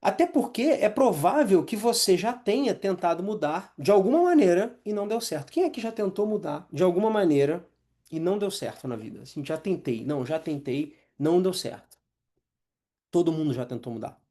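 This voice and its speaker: A man's voice: high voice, big pitch swings, brisk, mellow. A man who is a hypnotherapist and mental coach, teaching a live masterclass in a conversational way and asking the audience questions. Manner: conversational, asks the audience questions, acts out inner voices.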